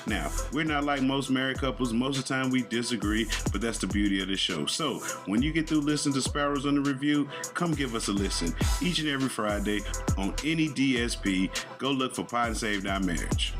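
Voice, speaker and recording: A man's voice: mid-range voice, fairly quick. A man reading an upbeat promo for his own podcast. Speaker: guest podcast promo host. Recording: clear music bed behind voice.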